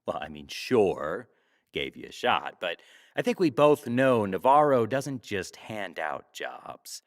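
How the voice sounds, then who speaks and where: An actor playing a glib, teasing talk show host in a sci-fi audio drama, wry, theatrical and probing. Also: male voice, on the low side, big pitch swings, takes it slowly, exaggerated voice.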